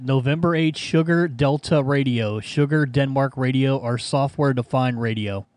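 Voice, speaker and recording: American man, mid-pitched voice, casual ham radio talk, repeated key phrases, loud background noise with clicks. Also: moderate pace. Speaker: amateur radio operator.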